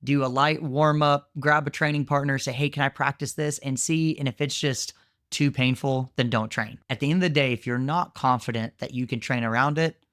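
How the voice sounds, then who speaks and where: A man's voice: mid-range voice, steady tone, normal speed, a bit bright, no echo, clean studio sound. A man in his thirties, a jiu-jitsu coach, giving frank, conversational training advice with casual fillers. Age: 30s. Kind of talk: instructional talk to camera.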